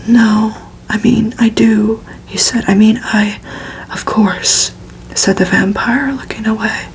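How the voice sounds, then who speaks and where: A woman reading a gothic novel aloud for ASMR in a breathy, unvoiced whisper, hushed and deliberate, with pauses between phrases. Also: medium pitch, fairly even intonation, slight background noise, low-quality recording. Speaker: ASMR reader.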